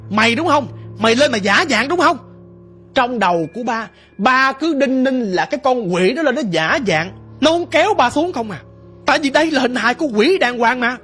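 A woman's voice: high-pitched, expressive, moderate pace, fairly bright tone, husky, faint music behind. A woman narrating a ghost story in first person, vivid and emphatic.

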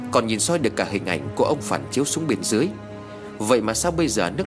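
A man reading a ghost story aloud in a dramatic, expressive way. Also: on the low side, fast. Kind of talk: scripted story narration. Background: faint music.

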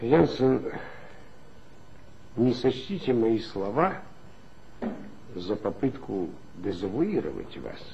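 An actor playing an authoritative male police superior in a 1960s radio play, measured and diplomatic when he gives orders. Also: fairly low pitch, sing-song, creaky, mellow, muffled recording, slight background noise, full character voice.

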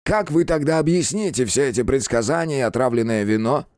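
A man voicing a stern, brisk male police official who speaks curtly and with authority. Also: mid-range voice, animated, a little mellow, dry recording, clean studio sound, voice pushed up, natural voice. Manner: curt, authoritative.

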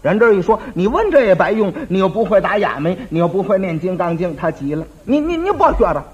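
A man's voice: sits high, fast, husky. A man performing traditional crosstalk. He tells the story with a stammering, teasing back-and-forth. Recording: dull lo-fi old recording.

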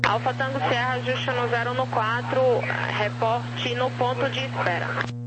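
A woman's voice: on the high side, fairly even intonation, normal speed. A Brazilian woman working as an air traffic controller, giving clipped procedural instructions over a walkie-talkie style radio. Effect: over walkie-talkie style aviation radio. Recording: noisy radio transmission with hum.

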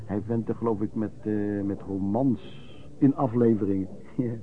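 Man playing a lively-tongued old-time vagrant storyteller, dull recording. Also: lowish voice, a little slow, lightly acted. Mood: reminiscing. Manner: colloquial, hesitant, anecdotal raconteur with old-fashioned turns of phrase. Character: rough, hard-drinking male vagrant pedlar reminiscing about lodging-house life. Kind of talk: Dutch radio play storytelling. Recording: dull, lo-fi radio play recording.

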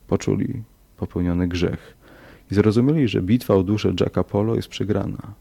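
A man narrating a horror story in a slow, measured audiobook reading. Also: low voice, vocal fry, mellow.

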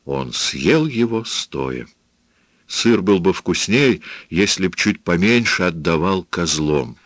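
A man reading a novel aloud as an audiobook narrator, measured and even, lifting his voice slightly for dialogue. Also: low voice, no echo, clean studio sound.

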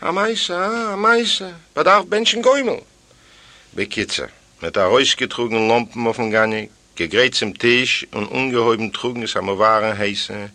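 A man reading a first-person tale aloud as an audiobook, telling it with sighs and exclamations. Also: deep voice. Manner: animated storytelling with sighs and exclamations. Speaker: audiobook reader.

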